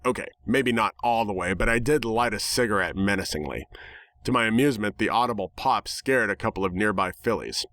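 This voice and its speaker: A man narrating a first-person story dramatically, with a wry, sarcastic and animated delivery. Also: on the low side, fairly quick.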